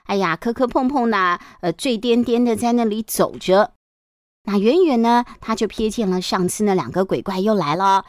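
A woman reading a picture book aloud to children as a bedtime storyteller, lively and chatty, often asking the kids questions. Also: mid-range voice, dry recording, studio quality. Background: background music.

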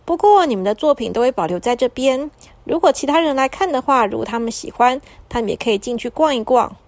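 A woman doing a gentle white-robed guide. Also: sits high, animated, quick pace, no echo. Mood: gently explaining. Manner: soft, explaining, coaxing.

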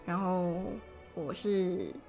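A young woman from Taiwan, chatting casually on her solo podcast from home and telling stories in an animated way. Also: on the low side, very slow, faint music behind. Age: young adult. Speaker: podcast host.

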